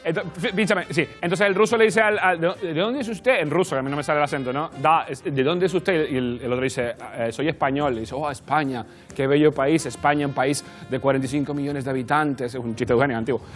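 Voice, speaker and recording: A man's voice: fairly high pitch, fairly even intonation, quick pace, fairly bright tone. A man hosting a late-night show, rambling in a flustered, self-deprecating way through his opening bit. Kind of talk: comic late-night monologue. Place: TV studio with a live audience. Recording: studio audience and music.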